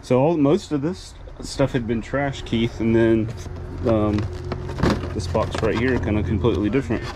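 An easygoing man talks through what he finds as he digs through boxes in a storage container. His voice sits at an ordinary middle pitch. A clear hiss of noise runs under the body-cam recording. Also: normal speed. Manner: easygoing, thinking aloud while sorting. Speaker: storage auction reseller. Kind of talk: casual unboxing commentary. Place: inside a storage container outdoors. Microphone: body-worn camera. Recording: noisy handheld outdoor recording.

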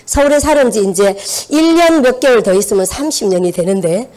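A woman's voice: fairly high pitch, fairly quick. A woman in her fifties from Busan with a Busan Gyeongsang accent, giving a motivational seminar talk and telling stories while asking the audience questions. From Busan, South Korea. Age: 50s. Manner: lively storytelling with audience questions. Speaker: seminar speaker. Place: seminar hall.

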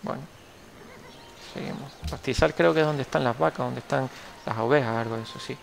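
A young man from the Canary Islands, Spain, with a Canarian Spanish accent, hosts a gameplay tutorial, commenting casually as he plays. He rambles and corrects himself while thinking aloud, in a medium-pitched, gravelly voice that runs a little fast over a slight hiss or hum.

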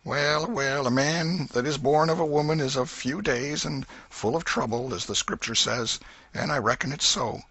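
A man voicing a gravelly, scolding old aunt. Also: medium pitch, normal speed, a bit bright, dry recording, pitched above the performer's own voice. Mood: fretting. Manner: scolding, exclaiming, folksy dialect. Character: fussy, soft-hearted old aunt, scolding.

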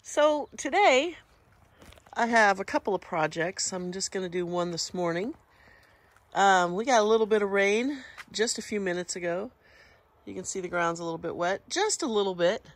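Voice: medium pitch, normal speed. A gardening vlogger with a congested, sniffly voice, chatting casually and rambling a little while filming outdoors in a home garden on a handheld phone. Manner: rambling and chatty, with many fillers and small laughs. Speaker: gardening channel host. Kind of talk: casual walk-and-talk garden vlog. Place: outdoors in a home garden after light rain. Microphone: handheld phone camera.

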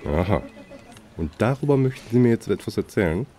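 An actor playing a weary police emergency dispatcher, dry and sarcastic. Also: male voice, on the low side, animated, fairly quick, warm tone, natural voice. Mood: sardonic. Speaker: police emergency call operator. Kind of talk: radio play with narration.

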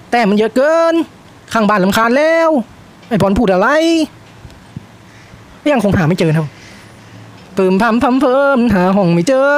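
A man giving playful, jokey commentary on his own racing game, chattering to himself and slipping into mock race-caller patter. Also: high-pitched. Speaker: mobile racing game streamer. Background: game music.

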